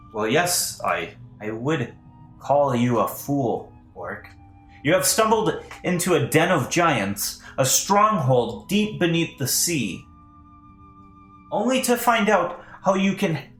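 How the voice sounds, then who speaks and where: A man growls through a put-on character voice at a high pitch and a fairly slow pace, leaving long, frequent pauses. Faint music plays in the background. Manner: snarling, scornful.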